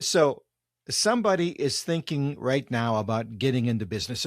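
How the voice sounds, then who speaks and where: A man with a plain, everyday voice talks at a moderate pace and medium pitch with lively intonation. The recording is very clean with a silent background. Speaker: interviewer, host. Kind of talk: interview questions.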